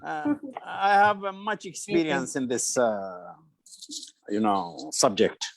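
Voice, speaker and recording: An older man with an Iraqi accent, a retired English teacher, introducing himself haltingly with long hesitations in an online group lesson. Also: medium pitch, sing-song, creaky, a crowd in the background, poor audio. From Iraq.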